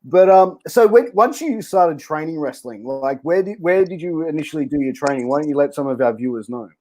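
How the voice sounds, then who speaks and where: A man's voice: a little high, lively intonation, fairly quick, darkish tone, slight background noise. A man hosting a casual podcast interview, chummy and friendly, peppering his talk with dude and bro. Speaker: podcast host.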